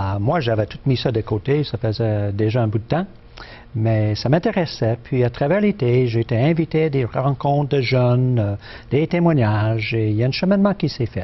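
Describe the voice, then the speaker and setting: A man with a slight English-Canadian accent speaks at medium pitch and a moderate pace, his voice somewhat breathy and his intonation lively. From Ontario, Canada. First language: English (speaking French). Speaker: pastor and camp director. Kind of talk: testimony. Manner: hesitant, many fillers.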